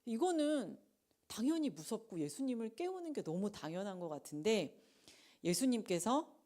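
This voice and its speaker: A woman's voice: on the high side, moderate pace. A woman preaching at a late-night prayer meeting in a conversational sermon style. She acts out the lines of the people in the story and sometimes drops to a whisper for emphasis. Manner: animated, acts out the disciples' and Jesus' lines in dramatized quotes.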